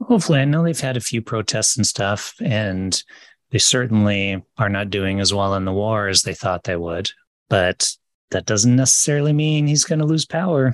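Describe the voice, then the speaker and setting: Delivered at a moderate pace with lively intonation, an ordinary speaking voice with an American accent sounds dry and close with no echo against a quiet background. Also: man, fairly low pitch for a man. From United States. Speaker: podcast co-host. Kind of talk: casual chat.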